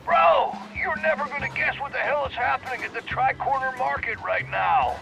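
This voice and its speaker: A man's voice: very high-pitched, very animated, moderate pace, gravelly, loud music behind the voice, heavily acted, rough recording. An actor playing a carefree, party-loving young guy chatting on the phone in breezy slang in an audio drama. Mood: amused, excited.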